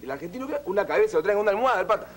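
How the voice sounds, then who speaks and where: A man comedian telling jokes in an animated way, with spoken sound effects. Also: sits high, very fast, a loud crowd, very noisy. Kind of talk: stand-up joke telling.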